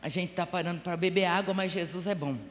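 Brazilian lady preacher, fervent sermon, gets loud, long echo in a church hall. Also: on the low side, steady tone, fairly quick. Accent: Brazilian Portuguese. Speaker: missionary preacher.

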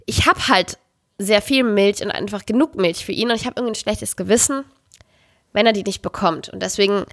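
A woman's voice: medium pitch, no echo. Chatty young woman on a dry mic. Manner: chatty, animated storytelling with laughter. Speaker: podcast co-host. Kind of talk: casual chat.

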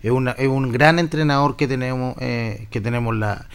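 A man's voice: medium pitch, moderate pace, clear, resonant tone. A man with a Chilean Spanish accent in casual sports talk, starting hesitantly and repeating himself.

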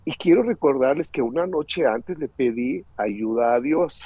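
A man's voice: medium pitch, animated, unhurried, breathy edge, dry recording. A middle-aged man with a Mexican accent, giving an earnest, emotional personal testimony in conversation. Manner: earnest, emotional storyteller who acts out the voices in his story. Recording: dull lo-fi recording.

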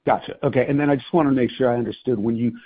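A man's voice: medium pitch, fairly even intonation, rapid-fire, breathy edge. A man asking questions as an analyst on an earnings call, informal and a little hesitant. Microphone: phone. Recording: tinny narrow phone line.

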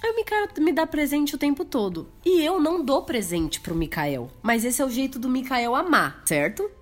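A woman's voice: high voice, very animated, normal speed, faint music behind. Stuffy-nosed Brazilian woman, chatty. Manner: chatty, explains with examples, laughs easily. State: stuffy nose from a cold. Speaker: podcast co-host. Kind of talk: casual chat.

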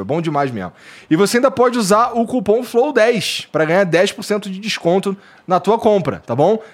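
A Brazilian man hosting a casual podcast, chatty and upbeat as he reads sponsor plugs. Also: a little high. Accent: Brazilian Portuguese. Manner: chatty, upbeat, filler-heavy. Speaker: podcast host.

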